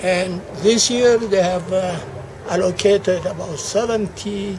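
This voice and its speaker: Over noticeable background noise, a man with an Ethiopian accent and high pitch speaks at a very slow pace with fairly even intonation. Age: 70s. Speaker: older people's rights campaigner. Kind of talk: interview answer. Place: garden.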